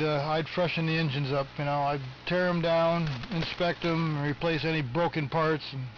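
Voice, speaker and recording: A muffled AM radio signal with heavy static carries an older American man. His voice sits fairly high, and he talks in a folksy, chummy way, like a casual ham radio operator. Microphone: ham radio transmission.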